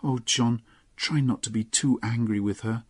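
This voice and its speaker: A man's voice: mid-range voice, normal speed, breathy edge, dry recording, clean studio sound, pitched above the performer's own voice, lightly acted. A man reading aloud and voicing an earnest, emotional young noble lady in a storybook. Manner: pleading, emotional.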